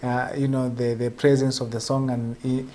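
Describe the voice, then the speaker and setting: A man's voice: medium pitch, flat delivery, normal speed, warm tone, a little hiss or hum. A man from Kenya hosting a morning show, interviewing a guest in a hesitant way with many fillers. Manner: hesitant, many fillers, frequent back-channel murmurs.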